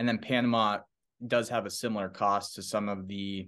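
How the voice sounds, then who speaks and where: A man with a plain, everyday voice and an American accent talks at a fairly quick pace and fairly low pitch, with a quiet background. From United States. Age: 20s. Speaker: podcast host. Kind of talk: interview.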